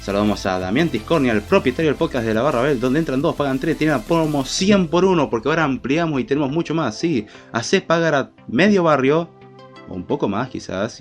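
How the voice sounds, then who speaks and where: A man with a Rioplatense Spanish accent and a congested, head-cold voice, hosting a casual live podcast in a jokey, informal way. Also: on the low side. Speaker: podcast host.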